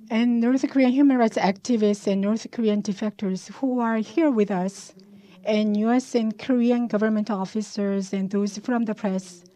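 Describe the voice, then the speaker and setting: A woman working as a live interpreter of a formal speech, with a measured, halting delivery. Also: mid-range voice, mellow, low-quality recording.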